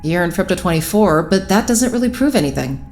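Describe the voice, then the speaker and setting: An actress playing a sharp, earnest woman investigator in a naturalistic audio drama, anxious and indignant. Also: on the low side, expressive, fast talker, faint music behind. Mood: intent recollection.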